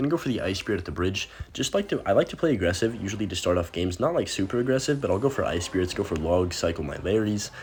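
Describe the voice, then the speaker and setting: Lively in intonation, a man talks very fast. His voice is fairly low and somewhat breathy. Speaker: gaming youtuber. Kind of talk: gameplay commentary. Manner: casual, filler-heavy.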